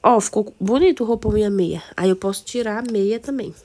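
A woman with a Brazilian accent and a cold, hoarse, chatting casually to viewers through a game walkthrough. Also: mid-range voice, brisk, warm tone. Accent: Brazilian Portuguese. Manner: chatty, addresses viewers as "amores". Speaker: gameplay video host.

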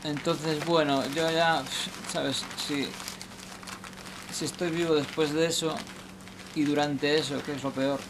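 Slow and flat, with a slightly high voice, a young male vlogger gives casual spoken advice under a station shelter at night. He's rambling and hesitant with many restarts, and the night recording is noisy.

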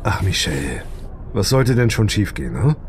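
An actor playing a desperate, awestruck husband in a science fiction audio drama, speaking haltingly and emotionally. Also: male voice, fairly low pitch, very animated, slight background noise. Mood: tender, reassuring.

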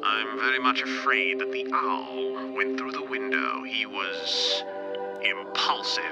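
A man playing a calm, menacing, invisible vigilante who taunts deliberately in a 1930s radio drama style. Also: mid-range voice, over music. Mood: coolly mocking.

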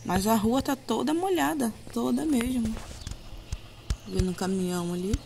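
Filming on a handheld phone at home, in the kitchen and yard, a Brazilian Portuguese-accented woman chats with her viewers like friends and keeps asking them to agree. Her fairly high voice is creaky and dark-toned, with lively intonation at a moderate pace; the audio is noisy.

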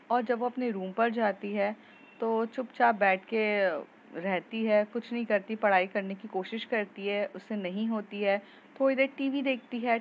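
A woman's voice: mid-range voice, muffled recording, a little hiss or hum. A woman narrating a love story in a chatty, casual way, with fillers and restarts.

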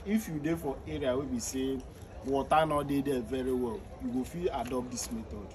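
A man's voice: medium pitch, fairly even intonation, normal speed, low-quality recording. A man in his thirties with a Nigerian Pidgin English accent, a fish farmer explaining the steps outdoors beside his fish tanks and repeating the key points. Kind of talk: outdoor farming tutorial. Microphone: phone camera at a short distance. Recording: outdoor phone video with noticeable ambient noise.

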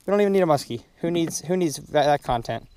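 Young male fishing vlogger, excitable and chatty, out on a boat, on a chest-mounted camera. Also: a little high, quick pace, slight background noise. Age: young adult. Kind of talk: casual fishing vlog. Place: outdoors on a fishing boat on a lake.

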